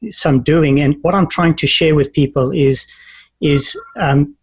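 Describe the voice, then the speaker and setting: A man in his fifties with a South African accent talks as a guest on a talk show. His voice is somewhat husky and sits a little high, and he speaks in an earnest, measured way, often restarting his sentences. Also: steady tone, poor audio. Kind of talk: interview conversation.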